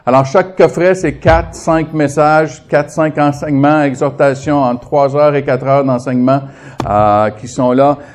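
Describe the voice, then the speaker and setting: A man's voice: a little high, fairly even intonation, unhurried, a little hiss or hum. A man in his fifties from Quebec with a Québécois accent, preaching as a guest with a chatty, joking manner. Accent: Québécois French. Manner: humorous, chatty, joking with the congregation. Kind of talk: sermon.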